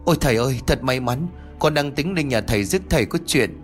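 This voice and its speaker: A man's voice: medium pitch, animated, quick pace, faint music behind, pitched above the performer's own voice, close to an everyday voice. A man voicing an eager young family member, polite and relieved.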